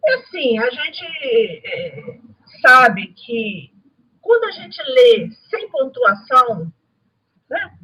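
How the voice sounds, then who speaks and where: A woman from Brazil gives an online study lesson, earnest and emphatic, and she repeats her key points. Her husky voice swings widely in pitch. The webcam recording sounds dull and lo-fi. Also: very animated, extremely slow. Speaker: spiritist study teacher. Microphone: video call or webcam.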